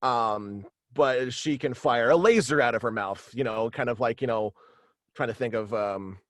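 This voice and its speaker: Halting man with a dry, close sound. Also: medium pitch, no room sound. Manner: halting, meandering explanations. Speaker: guest, voice actor and writer. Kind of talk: casual interview, explaining his own story. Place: small indoor home setup, video call.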